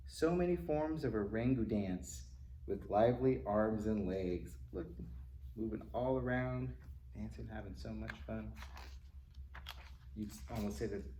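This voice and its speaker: For library storytime, a man with a low-leaning, somewhat mellow voice reads picture books to young children. He acts out animal sounds and exclamations and chats playfully with the kids, and the space has a roomy echo and faint background noise.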